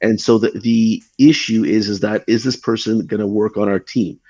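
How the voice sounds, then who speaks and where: A man with a low, husky voice explains hiring advice casually, often restarting his sentences. The sound is dull and lo-fi, as over a video call, and very dry. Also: steady tone, darkish tone, dry recording. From Canada. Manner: talks in quick runs with restarts and repeated words. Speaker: tech recruiter, guest.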